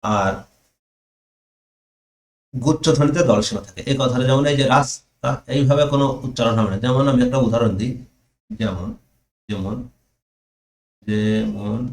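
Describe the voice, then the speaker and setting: Male teacher, online grammar lesson, slow dictation with stressed key terms, echoey room. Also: medium pitch, darkish tone.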